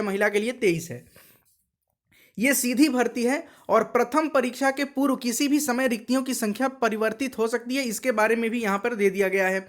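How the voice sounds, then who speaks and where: A man presenting an informal explainer, reading out details in an instructional way and often checking in with listeners. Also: very high-pitched. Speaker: presenter of exam and job notice videos.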